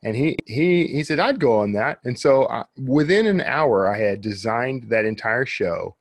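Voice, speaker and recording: A man hosts a podcast in a loose, chatty way. His voice sits at a medium pitch for a male speaker, and the sound is dry with no room echo. The delivery is informal and conversational. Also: animated, moderate pace. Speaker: podcast host. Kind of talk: casual chatty interview.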